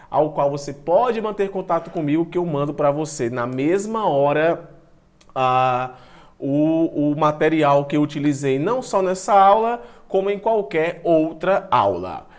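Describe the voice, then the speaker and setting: A man giving an informal online lecture, reading from slides and commenting in a chatty way, sometimes tripping over technical words. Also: on the high side. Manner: stumbles and restarts over long technical words, self-deprecating; chatty, addresses students directly. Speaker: biology teacher presenting an online class.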